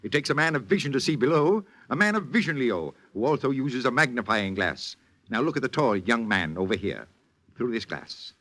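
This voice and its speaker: An actor playing a pompous, grandiose movie studio boss in a 1940s radio drama, talking in lofty words. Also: male voice, mid-range voice, sing-song, normal speed, fairly bright tone. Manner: grandiose, lofty vocabulary, theatrical. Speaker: studio head.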